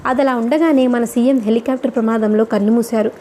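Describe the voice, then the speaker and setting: A woman voicing a thoughtful young woman student who speaks in a steady, reflective way. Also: fairly high pitch, a little fast, lightly acted. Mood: calm, reflective.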